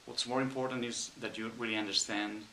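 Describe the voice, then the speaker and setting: Spanish-accented man, gravelly and bright. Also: mid-range voice, steady tone, brisk, reverberant, a little hiss or hum, low-quality recording. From Spain. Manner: thoughtful, hesitant with many ums. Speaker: engineer. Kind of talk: interview answers.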